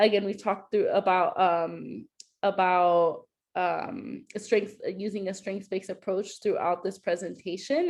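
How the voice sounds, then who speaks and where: The speaker has a Spanish accent and a moderate pace. The background is quiet. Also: woman. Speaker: youth advocate and former foster youth. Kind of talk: training presentation. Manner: halting, many fillers and repeats.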